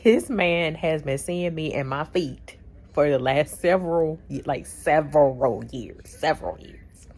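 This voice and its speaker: A woman's voice: low voice, a little slow, darkish tone. A woman chatting casually in a vlog, laughing often and acting out bits of her story. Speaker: vlogger.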